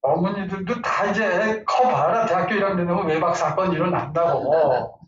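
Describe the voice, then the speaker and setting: A middle-aged man teaches parents in a lively, talkative way, laughing often and acting out scenes between family members. His voice sits high for a man and comes from far off in an echoing room. The recording sounds dull and lo-fi, with faint background noise. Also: normal speed. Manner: animated, laughing, acts out angry outbursts. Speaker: parenting lecturer. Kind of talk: lively lecture with role-play examples.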